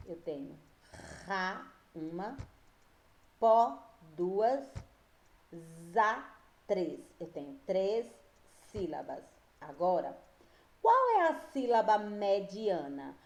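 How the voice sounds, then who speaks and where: Woman teacher, unhurried and patient, spells words out for young kids, echoey room. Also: medium pitch, darkish tone. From Brazil. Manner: slow, patient, drawn-out words, frequent checks with pupils. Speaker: primary school teacher. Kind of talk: remote reading and spelling lesson for young children.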